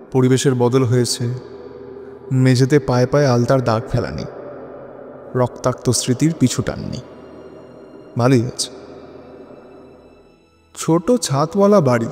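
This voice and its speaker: Actor as brooding lonely widower, reverberant and dark-toned. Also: male voice, medium pitch. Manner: introspective, theatrical, with rhetorical questions and pauses. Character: brooding, lonely widower narrating his haunted memories. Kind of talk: dramatic first-person audio drama narration. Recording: long reverb, music bed underneath.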